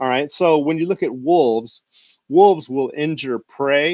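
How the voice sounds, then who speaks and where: A man talks at a fairly slow pace in a normal speaking voice with ordinary pitch variation, the sound dry and close with no echo over a quiet background. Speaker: dog trainer. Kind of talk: live stream talk. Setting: live stream.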